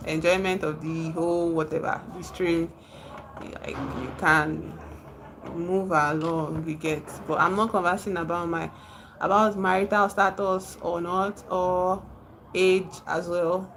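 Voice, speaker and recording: A woman's voice: on the low side, steady tone, slow pace, fairly bright tone, a little hiss or hum. A woman from Nigeria with a Nigerian accent, chatting casually on a livestream, reading out and answering viewers' comments and laughing often.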